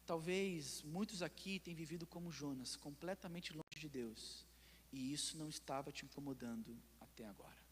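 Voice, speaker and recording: A man with a Brazilian Portuguese accent preaching a sermon in church as pastor, swinging between loud and hushed and putting pointed questions to the listeners. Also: on the high side, moderate pace, in a large hall, slight background noise. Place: church sanctuary.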